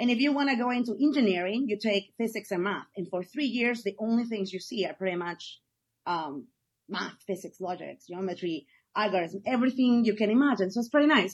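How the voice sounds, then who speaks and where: With a Spanish accent, a woman speaks at a fairly high pitch and with lively intonation against a quiet background. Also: fairly quick pace. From northern Ecuador. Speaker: open source community manager. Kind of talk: casual chat.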